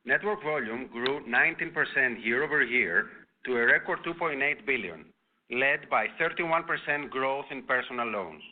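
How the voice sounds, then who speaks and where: Male finance executive for an earnings call: formal, measured scripted delivery, medium pitch, tinny phone-line audio. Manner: formal, measured reading of figures.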